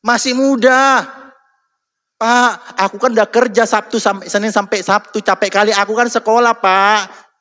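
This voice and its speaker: A man's voice: sits high, fairly even intonation, normal speed, pushed and bright, long reverb tail, pitched above the performer's own voice. A man voicing a tired young churchgoer who complains in a whiny tone. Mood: whining.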